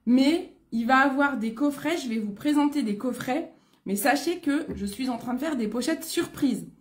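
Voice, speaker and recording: Her voice is high-pitched and moderately paced as this French beauty consultant streams live to sell online. She's chatty, greets people by name, and sounds congested from a cold coming on.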